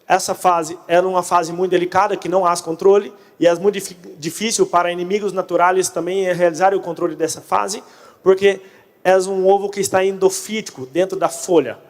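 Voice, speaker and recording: A man with a Brazilian accent gives a conference talk in a fairly high-pitched voice. He is a native Portuguese speaker mixing in Spanish as Portunhol. The sound carries the long reverb of a large hall. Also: steady tone, a little fast. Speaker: conference speaker on pest control. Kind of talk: conference presentation.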